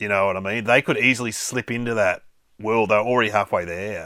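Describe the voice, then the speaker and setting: A man with an Australian accent talks at a fairly low pitch. The recording is very clean, with a silent background. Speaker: stand-up comedian and former band bassist. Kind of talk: casual chat.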